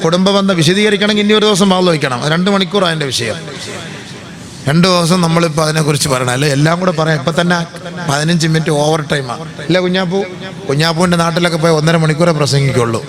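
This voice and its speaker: Male Islamic preacher, South Kerala Malayalam accent, fairly high voice, chatty rhetorical sermon, live audience noise. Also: fast. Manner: conversational preaching with rhetorical questions. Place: religious gathering before an audience. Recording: crowd audible behind a live talk.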